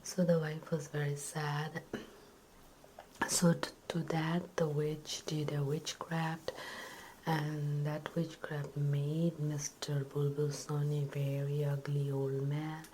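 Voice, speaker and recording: A woman telling a story in a breathy ASMR whisper, retelling it simply with hesitations and repeats. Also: low-pitched, level tone, slow, a little mellow, a little hiss or hum.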